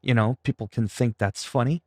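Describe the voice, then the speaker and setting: A man's voice: medium pitch, brisk, darkish tone, breathy edge, dry recording, clean studio sound. A man from Canada whose first language is French, chatting casually on a livestream in a self-deprecating, salty, freely swearing way. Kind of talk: casual rambling livestream chat.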